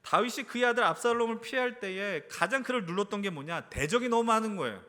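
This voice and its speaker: A male preacher giving an earnest sermon to a church youth service. He asks the congregation question after question and moves between hushed low phrases and raised emphatic ones. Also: expressive, quick pace. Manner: earnest, addresses the congregation with frequent rhetorical questions. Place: church sanctuary. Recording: reverberant hall.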